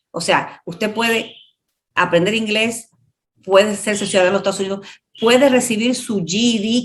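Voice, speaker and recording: Cuban lady w cuban accent hosting a radio talk show, normal pitch, conversational. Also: a bit bright. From Cuba.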